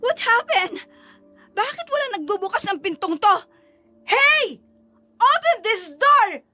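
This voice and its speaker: A woman's voice: very high-pitched, sing-song, normal speed, sharp tone, no room sound, soft background music, heavily acted. A woman voicing a bossy, haughty rich teenage schoolgirl in a spoken horror story. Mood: demanding. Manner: haughty, mixes English commands.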